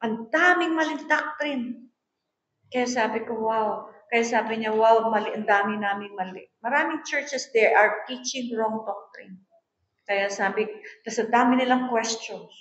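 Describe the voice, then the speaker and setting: A woman's voice: a little high, unhurried, fairly bright tone, a little hiss or hum. A woman pastor preaching a sermon, switching between languages and telling stories with voiced quotes. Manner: mixes Tagalog and English, tells stories and acts out quoted voices. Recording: echoey room, dull lo-fi sound.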